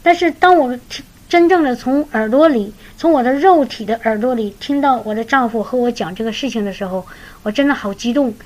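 This woman preacher's testimony comes through poor audio; her voice is fairly high yet darkish in tone, and she speaks a little fast. She relates her faith story earnestly in sermon style, frequently repeating words.

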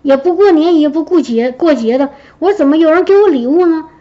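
A woman giving a personal testimony to her congregation, telling her story in a lively way and acting out what others said. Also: sits high, quick pace, dull audio. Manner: lively storytelling, acts out quoted speech. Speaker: church member giving a testimony.

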